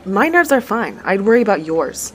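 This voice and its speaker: An actress playing a wry, sharp-tongued, foul-mouthed space courier in an audio drama, talking in a sardonic, colloquial way. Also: female voice, mid-range voice, big pitch swings, normal speed, a little hiss or hum, lightly acted. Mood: sardonic, challenging. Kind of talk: first-person audio drama narration and dialogue.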